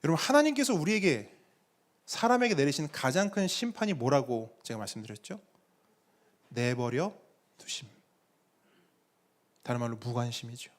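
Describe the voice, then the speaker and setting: A middle-aged man preaching a sermon as pastor, with dramatic pauses and acted-out quotes. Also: mid-range voice, expressive.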